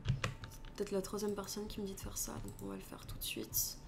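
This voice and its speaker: A woman's voice: medium pitch, sing-song, brisk, vocal fry, heavy background noise. A young adult woman with a French accent, a streamer chatting casually, reading out and answering chat while switching languages.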